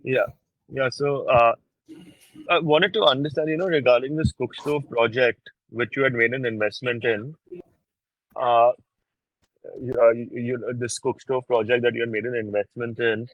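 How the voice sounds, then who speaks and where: A man's voice: mid-range voice, fairly even intonation, measured pace, no room sound, muffled recording. A man asking questions as an investor on an earnings call, insistently rephrasing what he wants to know.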